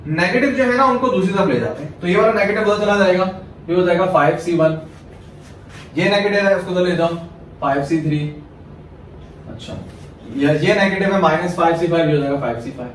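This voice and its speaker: Here a man from Pakistan gives a maths lecture in a high voice, fairly quick but with frequent pauses, laying things out step by step and supplying answers to his own questions. The recording is far-miked in a very echoey space with a little hiss.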